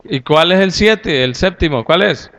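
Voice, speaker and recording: Pastor colombiano de voz nítida y algo aguda. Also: male voice, a little high, measured pace. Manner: folksy and humorous, with lively asides to the audience. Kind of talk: sermon to a congregation.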